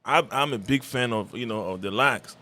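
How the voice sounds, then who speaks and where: A man's voice: mid-range voice, moderate pace, sharp tone, slight background noise. A man from Cameroon, a musician guest talking in a friendly, rambling way with many fillers. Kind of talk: casual radio interview. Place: radio studio.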